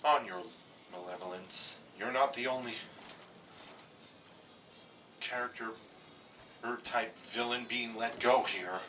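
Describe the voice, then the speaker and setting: A man playing a matter-of-fact film producer, speaking haltingly in an amateur cartoon parody. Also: mid-range voice, pushed and bright, far from the mic, slight background noise.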